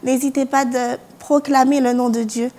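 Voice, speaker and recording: A fairly high-voiced young woman from France shares her faith testimony. She speaks earnestly, restarts her sentences often and breaks into small laughs. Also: little pitch movement, moderate pace, mellow. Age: young adult. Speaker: university student giving testimony. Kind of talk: spoken personal testimony.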